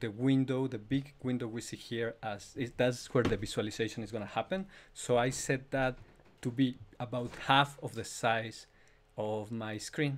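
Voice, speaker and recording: A man at a moderate pace with fairly even intonation, over light background noise. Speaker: instructor. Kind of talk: tutorial. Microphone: studio mic.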